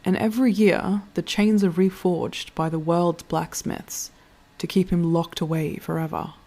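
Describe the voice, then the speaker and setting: A woman playing a reflective, literate storyteller in a scripted audio drama, musing in a measured, thoughtful way. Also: fairly low pitch, steady tone, warm tone.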